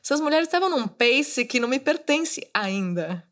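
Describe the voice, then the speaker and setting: A woman's voice: sits high, sing-song, moderate pace. A woman in her thirties hosting a solo podcast, talking casually and coaching her listeners directly. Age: 30s. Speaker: podcast host. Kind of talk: solo podcast monologue, motivational.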